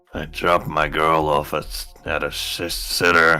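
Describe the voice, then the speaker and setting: A raspy put-on character voice, weary in tone, at a fairly slow pace. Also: man, very deep, low pitch for a man. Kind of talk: noir-style storytelling. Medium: game stream. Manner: world-weary, clipped.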